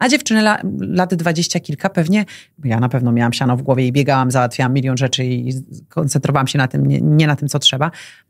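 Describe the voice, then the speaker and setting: Against a quiet background, a woman speaks at a very fast pace. Her pitch is very deep and low, with ordinary variation. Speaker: podcast guest. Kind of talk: casual chat. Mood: reflective, warm. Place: studio. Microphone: studio mic.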